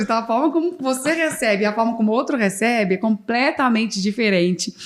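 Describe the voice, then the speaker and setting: A woman's animated, high voice at a fairly quick pace, with noticeable background noise. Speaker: lawyer and mediator. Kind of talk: podcast interview. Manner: fast.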